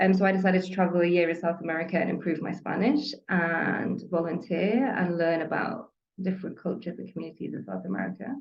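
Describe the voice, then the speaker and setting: At a very fast pace with hardly any pauses, a woman with fairly low pitch speaks with vocal fry. Her pitch moves in an ordinary way. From northern England, between Liverpool and Manchester. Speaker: pharmacist and community liaison. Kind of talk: interview. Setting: call. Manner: hesitant, many fillers.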